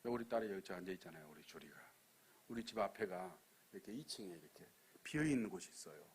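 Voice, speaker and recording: A man with a Jeolla accent preaching a sermon as a missionary, telling stories with sudden loud emphasis and near-whispers. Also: deep voice, lively intonation, fast, husky. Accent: Jeolla dialect.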